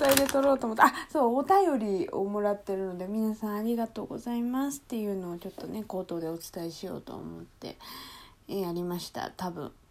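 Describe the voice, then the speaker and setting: A woman's animated voice, fairly high in pitch, with very wide pitch swings and a fairly quick pace, over noticeable background noise. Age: 20s. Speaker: podcaster. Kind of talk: solo casual talk. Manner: animated, frequent laughter.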